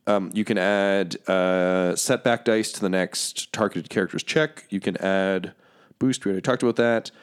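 A man runs a tabletop role-playing game, walking the players through the rules at an easy pace. His voice is slightly low, and he fills the gaps with ums and uhs. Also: moderate pace, clean tone. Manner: relaxed, explains rules with fillers. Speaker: game master.

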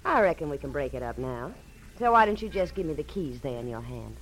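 A sassy Southern female crook, drawls sweetly and mockingly with lively swings of pitch. It is old radio detective drama with faint noise on the recording. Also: fairly quick, rough recording. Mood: sly, mocking. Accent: American South. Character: cool, teasing Southern female gun-toting crook. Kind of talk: 1940s radio drama acting.

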